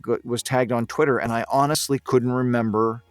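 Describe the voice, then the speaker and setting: A man's voice: medium pitch, steady tone, fairly quick, dry recording, soft background music. A man speaking as a guest voice actor in a casual podcast chat, hesitant and meandering, a little self-deprecating.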